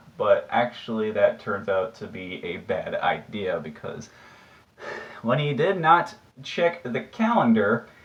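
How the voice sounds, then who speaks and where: A man at a fairly slow pace, his loudness swinging widely, over noticeable background noise. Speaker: cartoon episode reviewer. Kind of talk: casual video review. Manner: halting, many fillers and restarts.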